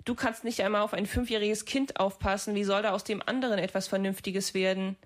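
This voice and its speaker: A woman's voice: mid-range voice, flat delivery, fairly quick, natural voice. A woman voicing a short-tempered farmer father in a story reading, curt and scolding.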